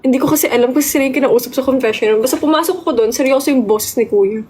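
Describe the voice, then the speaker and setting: Young woman streamer, high voice, excitable casual storytelling. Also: racing, slightly rough. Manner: chatty, excitable, mixes Tagalog and English. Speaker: live streamer.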